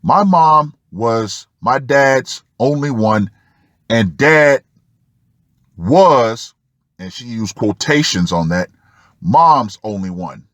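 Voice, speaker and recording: A man hosting an online commentary show, reading a post aloud and commenting with deliberate, dramatic emphasis and drawn-out words. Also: mid-range voice, expressive, fairly bright tone, no echo, studio quality.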